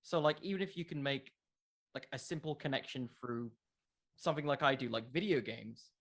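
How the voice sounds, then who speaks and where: A man's voice: medium pitch, moderate pace, fairly bright tone. Young man chatting as an interview guest. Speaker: interview guest, wrestling content creator. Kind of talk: casual interview chat.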